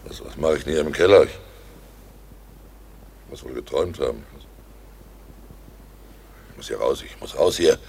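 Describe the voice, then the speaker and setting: Scared guilty innkeeper, super low creaky voice, hesitant and stammering, radio crime drama. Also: male voice, darkish tone, heavily acted. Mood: panicked, agitated. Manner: halting, hesitant, stammering, anxious. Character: guilt-ridden, fearful male village innkeeper and murderer. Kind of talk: psychological crime radio play acting.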